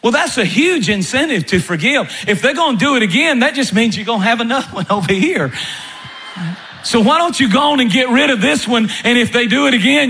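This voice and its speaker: Man, pastor, emphatic sermon, high voice, bright tone. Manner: emphatic preaching, voice drops low for storytelling.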